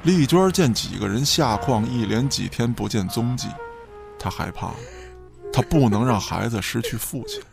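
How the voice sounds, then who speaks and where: A man's voice: medium pitch, big pitch swings, moderate pace, vocal fry. A man giving dramatic scripted narration for a radio play in a theatrical storytelling manner. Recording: music behind the voice.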